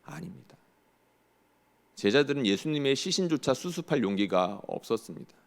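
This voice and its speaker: Korean pastor preaching in echoing church. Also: male voice, mid-range voice, big pitch swings, moderate pace, gravelly. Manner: earnest preaching with frequent rhetorical questions. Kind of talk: sermon. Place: church sanctuary. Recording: long church hall reverb.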